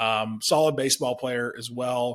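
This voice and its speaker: In an Alabama accent, a man speaks at a moderate pace. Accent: Southern US (Alabama). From US South, rural Alabama. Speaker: podcast host, wealth advisor. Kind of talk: solo commentary podcast.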